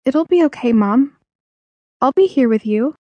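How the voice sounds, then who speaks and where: A woman's voice: high voice, animated, measured pace, dry recording, muffled recording, voice pushed up. A woman voicing an upset, emphatic sixteen-year-old girl in an audiobook. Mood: shaky, reassuring. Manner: emotional, emphatic. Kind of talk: audiobook character dialogue.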